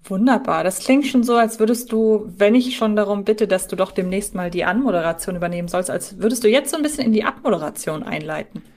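Woman with chatting on a podcast, normal pitch, wordy, rephrases herself a lot. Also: quick pace, few pauses, a little mellow. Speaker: podcast co-host. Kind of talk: casual podcast discussion.

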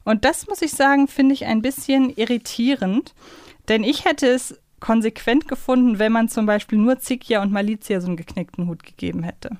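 A woman's voice: a little high, moderate pace, a little mellow, dry recording, studio quality. A woman talking casually and analytically as a podcast co-host, explaining in loose, chained sentences. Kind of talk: casual conversational fan podcast talk.

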